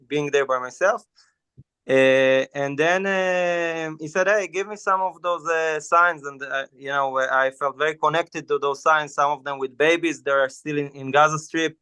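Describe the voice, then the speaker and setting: A man from Israel, a native Hebrew speaker, giving spontaneous testimony in halting, non-native phrasing with many hesitations. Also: fairly high pitch, fairly bright tone, clean tone, no room sound. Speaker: witness testifying at a court hearing. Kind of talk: spontaneous testimony, telling a story.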